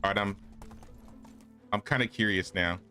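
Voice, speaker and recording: A man's voice: lowish voice, normal speed, pushed and bright, soft background music. A man casually chatting with viewers and answering their messages while he plays a game. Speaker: gaming streamer. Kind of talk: casual live-stream chat while playing.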